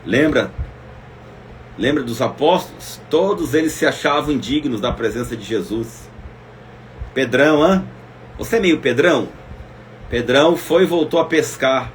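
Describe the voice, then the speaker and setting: A man preaching a devotional Bible lesson, swinging between loud exclamations and soft asides as he speaks straight to his listeners. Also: medium pitch, a little hiss or hum. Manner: speaks directly to listeners as "minha irmã".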